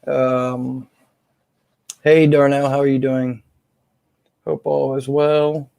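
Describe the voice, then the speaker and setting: A man with a slightly hoarse voice hosting a casual live question-and-answer stream, speaking informally and haltingly off the cuff. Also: mid-range voice, level tone, warm tone, no room sound.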